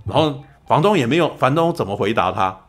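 A podcast host with a Taiwanese Mandarin accent chats casually about films, telling stories with energy and acting out the lines he quotes. He often drops in "你知道吗" asides. His voice is medium-pitched and fairly quick, with soft background music underneath.

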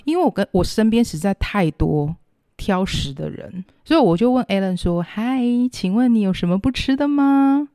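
A woman speaks Mandarin with a Taiwanese accent at a middling pitch. She co-hosts in a casual, playful way, stating her opinions with emphasis. The sound is dry, with little room. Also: expressive, normal speed, dark tone, dry recording. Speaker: podcast co-host. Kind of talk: casual banter and storytelling.

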